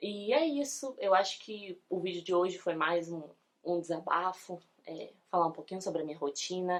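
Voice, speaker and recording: A soft-spoken woman talks at a moderate pace in a medium pitch with ordinary pitch variation. Her loudness swings a lot. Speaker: beginning teacher and vlogger. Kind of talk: casual vlog talk. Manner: hesitant with fillers.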